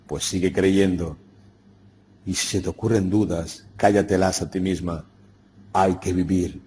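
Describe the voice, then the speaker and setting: A man voicing an anguished elderly village priest in an audiobook reading, speaking softly and sorrowfully. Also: low-pitched, steady tone, measured pace, a little hiss or hum.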